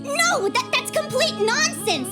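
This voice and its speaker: A woman voicing a tiny, cheeky, excitable floating girl companion in a video game, with a squeaky childlike voice. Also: measured pace, heavily acted. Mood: chatty. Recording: game music behind the voice.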